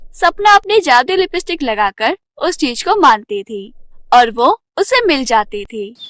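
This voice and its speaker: High-pitched, lively woman storyteller. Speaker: storyteller, narrator. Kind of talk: scripted narration of a children's fairy tale.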